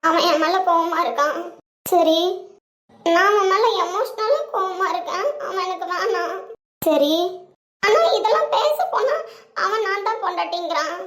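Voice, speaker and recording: A woman's voice: extremely high pitch, a bit bright. A woman playing a sulky, stubborn young office worker who talks in a playful, giggling way in a romance skit. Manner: playful, sing-song, giggling. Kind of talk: Tamil comedy romance skit. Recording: echoey room.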